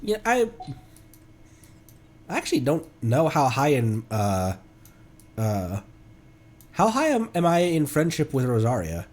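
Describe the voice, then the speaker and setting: A man's voice: medium pitch, wildly swooping pitch, measured pace, pauses often, a little mellow. A man livestreaming a game with casual chat and reactions, rambling, playful and sweary. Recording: background music under the voice.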